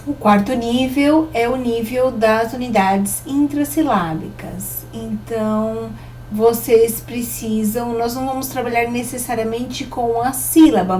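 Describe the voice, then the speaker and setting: Woman teacher, somewhat high voice, patient explainer; slightly distant mic, faint hum. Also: a little mellow. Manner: explanatory, slows to sound out example words. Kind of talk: recorded online lesson.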